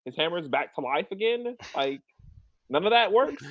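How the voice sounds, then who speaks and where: A man's voice: sits high, expressive, moderate pace, highs cut off. A man co-hosting a casual film review podcast, talking in an emphatic, incredulous rant. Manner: incredulous, emphatic ranting with mock quotes. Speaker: podcast co-host.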